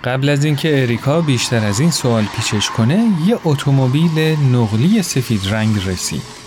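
Expressive male storyteller. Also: mid-range voice, background noise. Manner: expressive, voices characters. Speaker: narrator. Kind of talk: storytelling narration.

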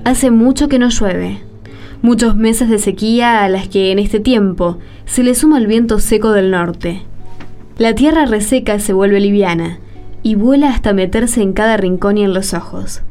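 Female narrator, Argentine accent, mid-range voice, scripted radio theatre narration, soft music behind. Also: mid-range voice, unhurried.

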